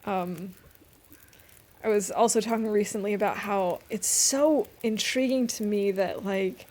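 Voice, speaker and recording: A woman's voice: mid-range voice, unhurried, a little mellow. A woman streaming a game, chatting casually and thinking aloud with frequent fillers. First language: English. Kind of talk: casual gaming stream chat.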